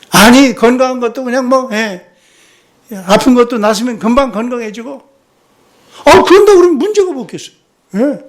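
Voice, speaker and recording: A man who is a missionary, preaching a sermon in a church. He keeps asking the congregation rhetorical questions and drops in short "yes" interjections. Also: extremely high pitch. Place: church sanctuary.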